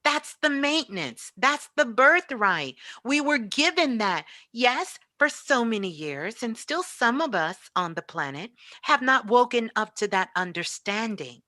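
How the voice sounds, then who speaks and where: A woman speaks as a spiritual teacher in a bright, forceful voice. The sound is dry, and she drives her points home emphatically, repeating phrases as she motivates the listener. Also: on the high side, very animated, measured pace, hardly any pauses, no room sound. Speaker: spiritual teacher and show host, as guest.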